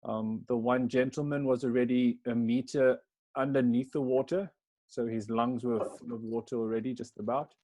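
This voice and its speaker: A man, a pastor, shares a personal story with a training group, reflective and hesitant, filling pauses with ums. His voice sits mid-pitch and the sound is dry and close. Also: steady tone, dark tone, no room sound. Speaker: pastor sharing an experience.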